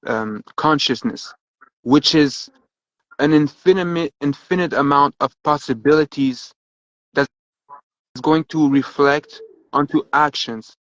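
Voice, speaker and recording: A man musing philosophically in casual talk, pausing often with ums and uhs. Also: a little high, a bit bright, dry recording, dull audio. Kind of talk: casual conversation.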